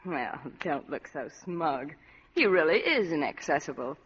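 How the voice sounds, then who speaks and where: A woman's voice: low voice, animated, a little slow, a bit bright, slightly rough, heavily acted. A woman playing a flirtatious, scheming wealthy wife with a coy, teasing manner in a vintage radio drama. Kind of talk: 1940s radio acting. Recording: muffled old radio broadcast with music.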